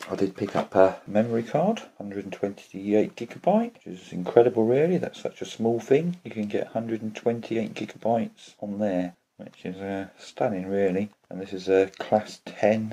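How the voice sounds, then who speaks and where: Over light background noise, a man with a fairly low, dark, mellow voice speaks at a fairly slow pace with ordinary pitch variation and big swings in loudness. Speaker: unboxing host. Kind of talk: casual unboxing commentary. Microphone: phone near.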